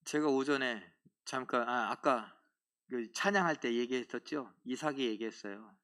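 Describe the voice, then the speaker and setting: A middle-aged male pastor giving a lively sermon in a church, acting out little scenes and joking with the congregation. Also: medium pitch, moderate pace. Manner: animated, acts out voices and jokes with the congregation. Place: church sanctuary.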